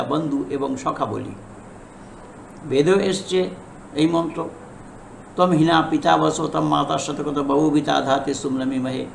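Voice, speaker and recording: A man preaching a didactic sermon as a non-native learner of Bengali, halting and repeating phrases for emphasis. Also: high voice, creaky, a bit bright. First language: not a native Bengali speaker. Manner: halting learner's Bengali, self-described as broken. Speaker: religious preacher. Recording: echoey room with faint background noise.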